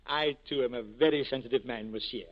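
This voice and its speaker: An actor playing a self-important, courtly black-market boss with formal phrasing, in 1940s radio acting style. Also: male voice, mid-range voice, fairly quick, lightly acted. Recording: dull 1940s radio broadcast recording.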